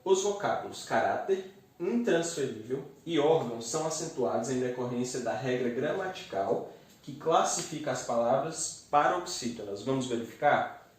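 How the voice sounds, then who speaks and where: A man teaching grammar step by step and slowly sounding out the syllables of each word. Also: mid-range voice, lively intonation. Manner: methodical, spells out syllables slowly. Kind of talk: explaining grammar exercises. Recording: very echoey room, distant mic.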